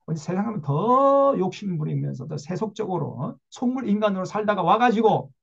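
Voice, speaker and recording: A man's voice: sits high, expressive, fairly quick, creaky, breathy edge, highs cut off. A male pastor preaching a sermon emphatically, with rhetorical questions.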